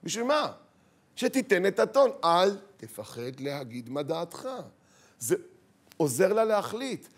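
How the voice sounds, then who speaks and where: A middle-aged rabbi giving a lively talk to an audience, asking rhetorical questions and acting out the voices in his stories. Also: on the high side. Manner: animated, acts out quoted voices, rhetorical questions.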